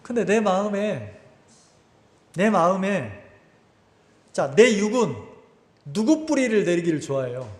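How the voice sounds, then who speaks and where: A man's voice: high voice, big pitch swings, a little slow, long pauses. A male pastor preaching a sermon and putting rhetorical questions to his congregation. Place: church sanctuary. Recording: echoey church hall with long reverb.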